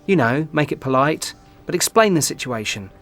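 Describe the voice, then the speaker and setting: A man's voice: a little high, lively intonation, normal speed, a bit bright, faint music behind. A man performing a scripted office conversation for an English course, offering suggestions in a persuasive tone. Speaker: dialogue actor in course audio. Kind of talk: scripted role-play dialogue.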